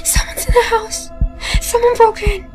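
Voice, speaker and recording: A woman's voice: very high-pitched, little pitch movement, normal speed, darkish tone, soft background music. A woman playing a sweet, timid fourteen-year-old babysitter in an amateur audio drama. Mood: frightened, tearful.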